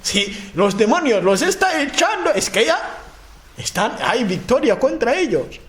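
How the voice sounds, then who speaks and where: A man from Africa preaching a sermon, speaking in halting phrases, restarting and repeating words, often checking in with his listeners. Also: big pitch swings, a bit bright. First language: a language of his homeland. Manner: chanting repeated proclamations with rising pitch.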